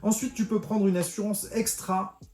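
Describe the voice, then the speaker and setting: A man's voice: high voice, little pitch movement, moderate pace, darkish tone. A man talking a viewer through a step-by-step online tutorial, chatty and informal, addressing the viewer directly. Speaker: card-collecting tutorial host. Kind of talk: screen-recorded tutorial walkthrough. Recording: roomy echo with faint music.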